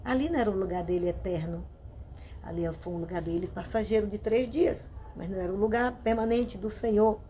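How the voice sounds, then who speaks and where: A woman's voice: mid-range voice, fairly quick, warm tone, a little hiss or hum. Brazilian woman pastor preaching emphatically. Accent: Brazilian Portuguese. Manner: emphatic preaching, repeating questions. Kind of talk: sermon.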